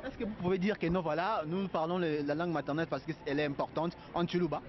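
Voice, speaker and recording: Man, street reporter, fast, high voice, muffled audio, crowd and traffic. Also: fairly even intonation. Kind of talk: vox pop questions. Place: busy street outdoors. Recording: dull lo-fi street recording with crowd.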